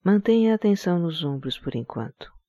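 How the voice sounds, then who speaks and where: A man leading a guided meditation in a calm, soothing manner, giving slow relaxation instructions. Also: a little high, no echo, studio quality.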